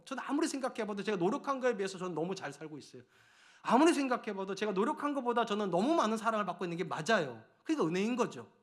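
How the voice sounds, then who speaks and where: A middle-aged man preaching a Sunday sermon as senior pastor. He swings between loud, urgent pleading and hushed near-whispers. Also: high voice.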